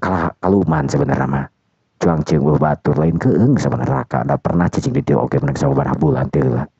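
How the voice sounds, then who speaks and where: Storybook young charmer, man voices him: deep, husky, reassuring, coaxing. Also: fast talker, warm tone, no echo, exaggerated voice. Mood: explaining. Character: handsome young man Raka, smooth persuader. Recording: dull dry lo-fi recording.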